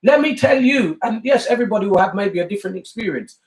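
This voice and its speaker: A man's voice: high voice, lively intonation, fast, reverberant, poor audio. An older man with a British accent, talking earnestly and emphatically in a casual family discussion, often repeating himself for emphasis. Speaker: bishop and family talk host.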